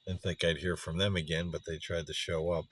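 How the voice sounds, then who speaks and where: A middle-aged man hosting a spirit session, speaking reflectively and earnestly in halting phrases with pauses mid-sentence. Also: low-pitched, little pitch movement, fairly bright tone, slight background noise. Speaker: spirit box session host. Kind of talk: slow reflective monologue addressed to a spirit.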